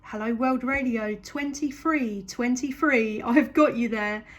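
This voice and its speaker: Casting: woman, southern English accent, high voice, polite and thankful CB operator making casual radio contacts. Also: measured pace, slight background noise. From England.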